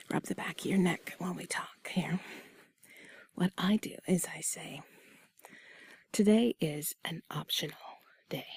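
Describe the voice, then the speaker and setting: A woman in an intimate, soothing whispered role-play, speaking in a breathy, husky, unhurried way, close to the mic. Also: lowish voice, darkish tone. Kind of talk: intimate comfort audio, soft ASMR whispered role-play. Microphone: close microphone, dry sound.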